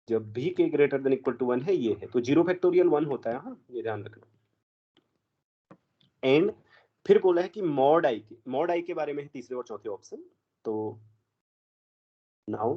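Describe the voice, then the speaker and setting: Man teaching math in a dull, lo-fi recording. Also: mid-range voice. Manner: mixes Hindi with English math terms, quizzes students. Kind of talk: exam problem lecture.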